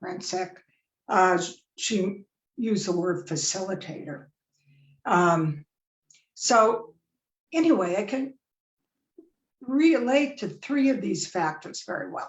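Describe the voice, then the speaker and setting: With long, frequent pauses and a very slow pace, a woman speaks at a medium pitch in a somewhat breathy voice that makes very wide pitch swings. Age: 80s+. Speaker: panel speaker on aphasia research. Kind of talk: webinar presentation. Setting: video call. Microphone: laptop.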